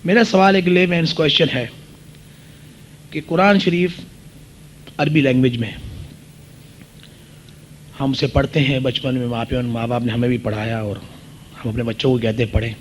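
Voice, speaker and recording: A man's voice: medium pitch, level tone, pauses often, slight background noise, low-quality recording. A man from the audience politely and deferentially asking a long-winded question after a lecture.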